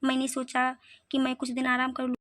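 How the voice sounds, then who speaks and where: An upset young woman heroine in a storybook reading, voiced by a woman narrator. Her voice is high and flat in pitch, and dry. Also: brisk, no echo. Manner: tearful, touchy.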